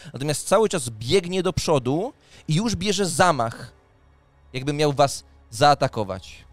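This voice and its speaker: A man's voice: a little high, no echo. Man in his thirties, game master, descriptive fantasy narration, dramatic delivery, close mic, faint music behind. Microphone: close microphone on a boom arm, headset on.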